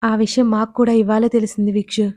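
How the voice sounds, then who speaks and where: A woman voicing an anxious father gently pleading with his daughter. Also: fairly high pitch, flat delivery, fast, dry recording, natural voice.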